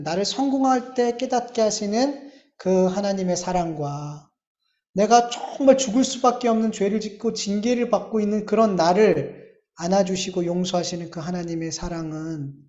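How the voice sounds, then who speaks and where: A male pastor preaching a sermon in a church, emphatic, with drawn-out pauses and rising bursts. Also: high voice, a little mellow. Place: church sanctuary. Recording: echoey church hall, slightly dull sound.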